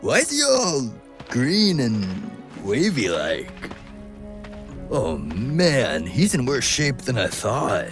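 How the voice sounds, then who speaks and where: A man's voice: medium pitch, huge pitch swings, slow, music in the background. A man acting a laid-back, dazed, friendly mercenary in a comic video game role, slangy and easygoing. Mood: amazed, dazed.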